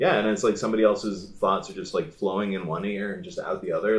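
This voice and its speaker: A man talks very fast. His pitch sits fairly low for a man. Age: 30s. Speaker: comedian. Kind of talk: casual chat.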